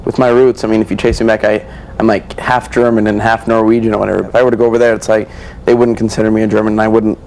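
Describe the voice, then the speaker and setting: A man's voice: on the low side, flat delivery, rapid-fire, few pauses, a little mellow, low-quality recording. A man chatting casually in a group discussion in a rambling, informal way. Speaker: discussion participant. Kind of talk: casual chat. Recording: faint ambient room noise.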